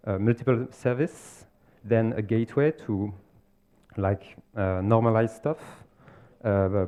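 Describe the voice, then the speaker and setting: A man with a French accent giving a technical conference talk, explaining step by step with pauses and self-corrections. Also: on the low side, smooth, phone-quality sound. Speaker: conference speaker. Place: conference stage.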